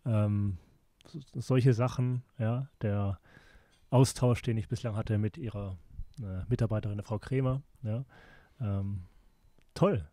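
Mellow man hosting a podcast. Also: fairly low pitch, unhurried, pauses often, no echo. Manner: appreciative, speaks in short fragments. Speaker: podcast host, interviewer. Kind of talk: casual interview chat.

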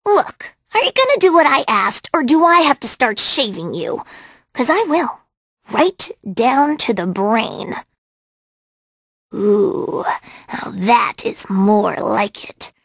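A woman's voice: fairly high pitch, big pitch swings, slow pace, gravelly, fairly bright tone, breathy edge, no room sound, clean studio sound, heavily acted. A woman voicing a sullen, menacing, sarcastic young undead girl in a video game, sneering and threatening. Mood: smug. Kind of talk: video game character acting.

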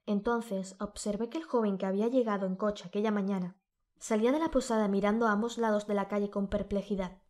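A woman with a Spanish accent narrating an audiobook, her voice a little strained from a sore throat. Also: medium pitch. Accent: Spain Spanish. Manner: measured, steady storytelling.

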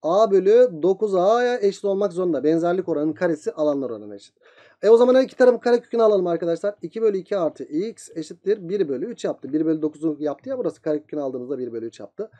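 A male teacher rattles through a geometry review at a breakneck pace. His voice sits high for a man but has a mellow, soft-edged tone. He keeps asking the students' questions himself and then answering them. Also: lively intonation. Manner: very fast talker, voicing student questions himself. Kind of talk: geometry lesson.

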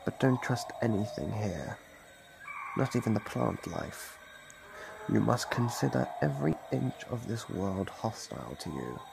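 A man's voice: lowish voice, big pitch swings, measured pace, creaky, background noise, exaggerated voice. A man voicing a gleefully predatory monster from under the bed in an ASMR horror roleplay, mockingly polite and menacing. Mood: smug, menacing.

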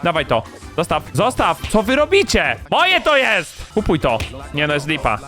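A man giving excited, rapid game commentary, repeating phrases and breaking into shouts as he plays. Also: high voice, faint music behind. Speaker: gaming YouTuber.

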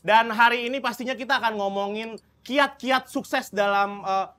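High, bright-voiced joking male host. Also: normal speed. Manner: joking, teasing. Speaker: podcast host. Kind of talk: casual banter.

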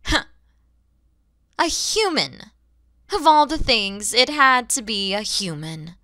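Woman acting female dragon, motherly yet threatening, higher-pitched, dry close sound, ASMR roleplay, proud, wary, theatrical. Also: sing-song, takes it slowly, sharp tone, no room sound, heavily acted. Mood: haughty, threatening. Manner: theatrical, menacing, with drops into whispers.

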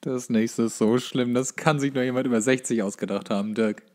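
A man's voice: mid-range voice, steady tone, fairly quick, darkish tone. Man bantering as a podcast co-host. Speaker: podcast co-host reading out a list. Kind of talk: casual comedic banter.

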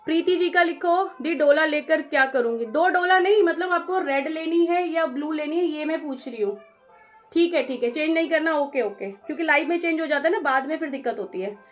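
A woman hosting a live saree sale, chatting briskly with viewers, taking bookings and calling out their names, slipping English phrases into her Hindi. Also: high voice. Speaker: saree seller on live stream. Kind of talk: live-stream sales chat.

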